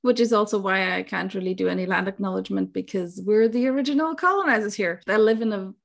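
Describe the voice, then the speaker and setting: A woman's voice: medium pitch, fast, creaky. A woman, chatting casually as a podcast guest and laughing often. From Austria. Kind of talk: casual chat.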